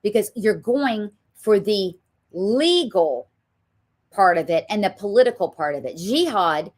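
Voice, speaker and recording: A woman's voice: medium pitch, lively intonation, unhurried, a little mellow. A woman with a Southern US accent, hosting a political talk show and speaking emphatically, with frequent ums. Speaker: show host.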